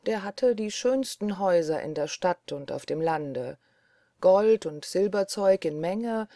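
A woman's voice: medium pitch, mellow, no room sound, studio quality. A woman narrating a fairy-tale audiobook, reading carefully and evenly. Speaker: audiobook reader.

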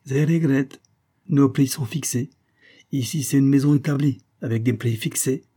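A man's voice: medium pitch, moderate pace, warm tone, slightly rough, pitched above the performer's own voice, lightly acted. A man voicing a courteous, insistent Italian jeweller, with an Italian accent and emphatic sales patter. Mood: stiff, offended.

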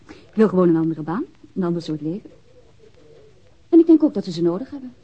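An actress playing a friendly, frank and quietly determined woman in a radio drama. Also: on the low side, big pitch swings, fast, breathy edge. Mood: earnest, determined. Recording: dull lo-fi old radio recording.

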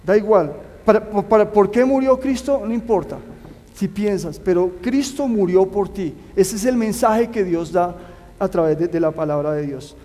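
Man, preacher, sermon, high voice, earnest, urging, reverberant hall. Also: normal speed, warm tone. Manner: earnest, urging listeners directly.

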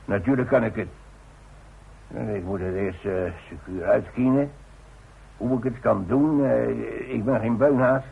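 An actor playing a proud, stubborn retired workman and father in a radio play, speaking haltingly on an old recording. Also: medium pitch, vocal fry, narrow, tinny audio, slight background noise. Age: older. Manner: hesitant, halting, repeats words. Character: proud, stubborn retired chimney climber, gruff but tender father. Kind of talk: naturalistic Dutch radio play acting.

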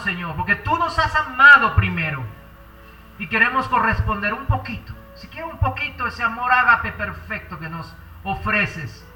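A man preaching a sermon and leading a prayer, fervent, drawing out key words slowly. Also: very high voice, sharp tone. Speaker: pastor. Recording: roomy echo, far from the mic.

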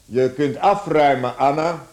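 A man acting a middle-aged, authoritative father in a radio play, speaking deliberately and formally. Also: mid-range voice, a little mellow, lightly acted. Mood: commanding. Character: authoritative bankrupt father, measured head of household.

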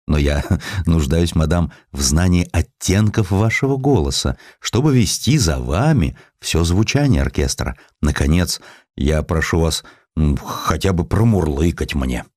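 Man playing a deep-voiced, courteous orchestra conductor. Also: expressive, a little slow, a little mellow, no room sound, studio quality, heavily acted. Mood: insistent. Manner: formal, polite, insistent. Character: courteous, insistent, reserved male orchestra conductor.

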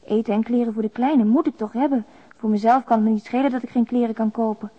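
A woman's voice: a little high, fairly even intonation, quick pace, lightly acted. An actress playing a despairing young single mother who confides in a plain, subdued way, as in a radio drama letter. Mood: weary, resigned. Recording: dull, lo-fi radio drama recording.

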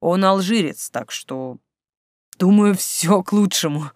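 A reader voicing a calm, self-assured teenage boy who speaks matter-of-factly, in a slightly lower voice. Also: slow, no echo, studio quality, lightly acted.

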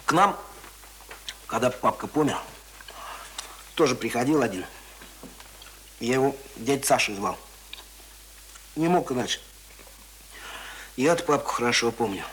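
An earnest schoolboy who knows better than his elders in a radio drama. He sounds brisk and instructive, with everyday colloquial speech and a medium pitch for a man. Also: animated, a bit bright, a little hiss or hum, low-quality recording. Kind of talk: radio play acting.

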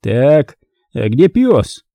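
A brusque, decisive uncle from a storybook, as a man voices him, pitched above the reader's own voice. He cuts others short and gives firm orders, in a dry, close voice. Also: wildly swooping pitch, slow pace, gravelly, breathy edge, no room sound, phone-quality sound, full character voice. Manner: curt and decisive.

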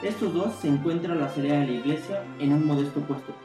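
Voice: mid-range voice, quick pace. Radio-serial narrator over violin music. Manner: announcer-style, emphatic. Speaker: narrator and announcer. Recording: roomy echo with violin music.

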